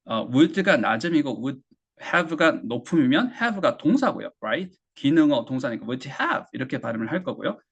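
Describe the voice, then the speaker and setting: A man teaching English pronunciation in a classroom lesson. He drills short phrases and repeats them slowly for the class. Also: medium pitch, lively intonation, slightly rough, muffled recording.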